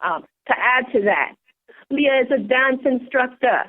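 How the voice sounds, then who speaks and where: An eager woman co-hosts a podcast, earnest and enthusiastic, stumbling now and then on fillers while reading. Her pitch is ordinary for a woman. The audio comes through a narrow, phone-like line. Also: lively intonation. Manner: enthusiastic, earnest, a bit halting. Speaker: co-host. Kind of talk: podcast hosting, reading a bio.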